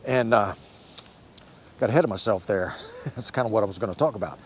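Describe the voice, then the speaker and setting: A man's voice: lowish voice, a little fast, a little hiss or hum. A man in his sixties hosting a fitness vlog, talking casually to camera in a rambling, encouraging way and often correcting himself. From United States. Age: 60s. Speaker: fitness channel host.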